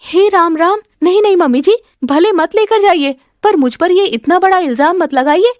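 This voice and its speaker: A woman's voice: very high-pitched, moderate pace, dry recording, clean studio sound, voice pushed up. A woman voicing a jealous, scheming young daughter-in-law who answers back shrilly and defensively. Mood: protesting.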